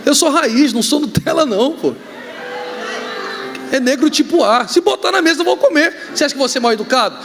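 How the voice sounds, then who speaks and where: Animated high-voiced Brazilian pastor preaching. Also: male voice, a little fast, over music. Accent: Brazilian Portuguese. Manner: joking, animated storytelling with shouts. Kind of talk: sermon. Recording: reverberant hall, faint ambience.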